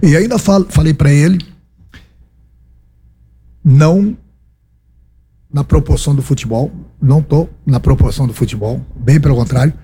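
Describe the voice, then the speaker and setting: A man with a Brazilian accent fields reporters' questions as a football coach. His voice is husky and mellow, sitting slightly high. He is emphatic, repeating his phrases and firing off rhetorical questions. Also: normal speed, pauses often. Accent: Brazilian Portuguese. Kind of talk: post-match press conference answers.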